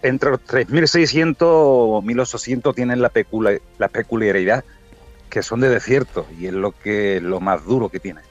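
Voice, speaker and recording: A man's voice: on the low side, moderate pace, soft background music. A man in his sixties from Spain, calling in from a roadside to a radio interview. His phone line keeps breaking up, and he answers matter-of-factly, repeating words when he is not heard. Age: 60s. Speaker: guest calling in from the road. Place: outdoors by a road. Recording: dull dry phone line.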